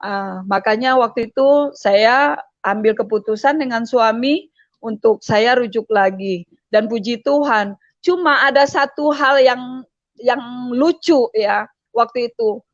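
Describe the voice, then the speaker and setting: A middle-aged woman giving an emotional personal testimony, repeating herself and pausing with hesitations. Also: a little high, no room sound, highs cut off. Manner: emotional, repetitive storytelling with frequent hesitations. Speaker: testimony speaker.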